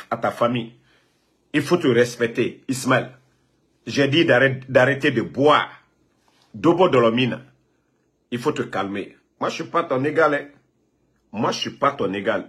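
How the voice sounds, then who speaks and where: A man's voice: medium pitch, lively intonation, unhurried, pauses often, fairly bright tone. A man from Guinea, ranting and scolding a rival on a live phone video, repeating himself. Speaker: political online commentator.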